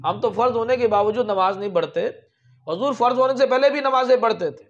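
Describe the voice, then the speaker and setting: High-voiced male preacher, emphatic storytelling. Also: quick pace, lo-fi sound. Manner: emphatic, with sudden raised peaks. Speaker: religious preacher. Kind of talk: storytelling sermon.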